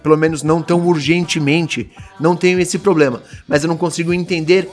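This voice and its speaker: A Brazilian man casually arguing his views in a group discussion, blunt and animated, firing off rhetorical questions. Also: on the high side, brisk, faint music behind.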